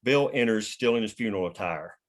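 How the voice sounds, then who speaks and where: Male narrator, lowish pitch, screenplay stage directions, table read. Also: lively intonation, fairly quick.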